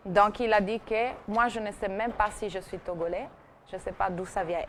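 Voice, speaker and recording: In a TV studio, a female segment presenter relates another person's story, her mid-range voice steady and her speed normal. Her delivery is halting, full of fillers and restarts, and the broadcast audio carries faint noise.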